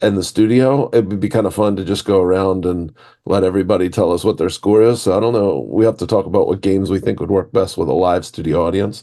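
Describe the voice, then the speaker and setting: This man talks very fast at a fairly low pitch, with ordinary pitch variation. His tone is dark and mellow against a quiet background. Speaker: podcast co-host. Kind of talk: casual chat. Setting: video call. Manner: halting.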